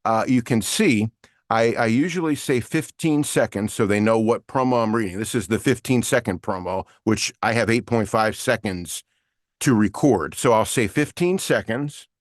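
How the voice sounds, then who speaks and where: A man's voice: fairly low pitch, normal speed, dry recording, clean studio sound. A man teaching an online voiceover lesson with screen share, explaining in a casual way with many fillers. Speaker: voiceover coach.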